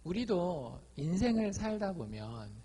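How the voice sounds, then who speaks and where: A man preaching a sermon as a pastor, lively, acting out quoted dialogue in his talk. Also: high voice, unhurried, slight background noise. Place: church.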